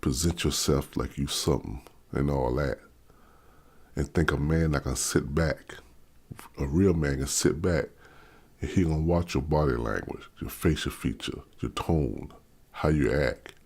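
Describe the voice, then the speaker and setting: A man's voice: a bass voice, unhurried, vocal fry, a little mellow, slightly rough. A man about fifty with a DC-area accent, ranting bluntly to camera and stumbling over restarts in an unscripted vlog. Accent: Maryland / Washington DC area. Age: 50s. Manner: blunt, repetitive, stammers on restarts. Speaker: vlogger. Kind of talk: unscripted opinion rant.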